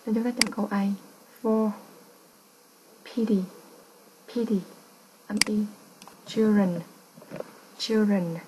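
A woman's voice: medium pitch, steady tone, slow, pauses often, background noise. A woman English teacher with a Vietnamese accent, patiently explaining test answers and repeating each word.

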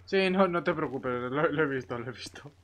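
A man's voice: on the high side, a little fast, fairly bright tone, slight background noise. A man with a Spanish accent from Spain, chatting casually as he roleplays in a survival game. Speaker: gamer playing a survival roleplay character.

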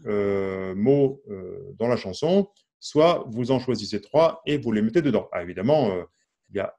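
A man's voice: medium pitch, darkish tone. A man teaching a casual online music lesson, chatty and full of fillers, counting and singing out syllables over an instrument.

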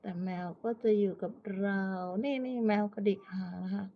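A woman from Thailand chatting casually and politely to viewers as a pet owner, in an unhurried, coaxing manner. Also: mid-range voice, slight background noise. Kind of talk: casual chat to viewers while watching her pet cat. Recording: muffled, lo-fi, phone-like narrow sound.

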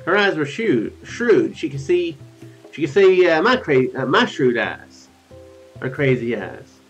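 Higher-pitched, animated man, musing game host. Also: measured pace. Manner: rambling, musing asides. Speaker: let's play host. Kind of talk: reading game text aloud with casual commentary. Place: small room at home. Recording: dull lo-fi audio with music behind. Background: game music.

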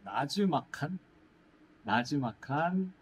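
A young man, a musical actor, chatting in a casual Q&A, pausing thoughtfully to search for words. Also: fairly high pitch, expressive, a little hiss or hum. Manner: thoughtful, drawn-out pauses while searching for words. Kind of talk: casual Q&A chat. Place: indoor stage set, seated.

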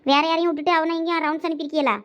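A woman playing a quick-talking village wife. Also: sits high, flat delivery, a bit bright. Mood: worried. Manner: quick, pleading, deferential. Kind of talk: village family skit.

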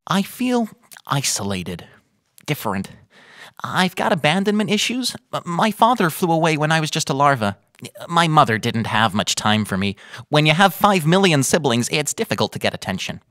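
A man's voice: on the high side, very animated, a bit bright, no echo, studio quality. Man as a neurotic, self-pitying cartoon insect. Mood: mopey, anxious. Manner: halting, plaintive. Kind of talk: animated film monologue.

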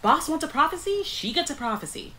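A woman's voice: high-pitched, big pitch swings, fairly quick, bright, forceful tone, full character voice. An actress in a comedic audio drama playing an anxious, earnest witch, fretful and emphatic. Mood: frantic, insistent. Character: anxious, earnest witch fretting over a prophecy. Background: storm ambience.

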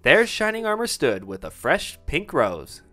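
A man's voice: fairly high pitch, huge pitch swings, a little slow, bright, forceful tone, faint music behind. A man narrating a romantic fan fiction story in a scripted, dramatic reading style.

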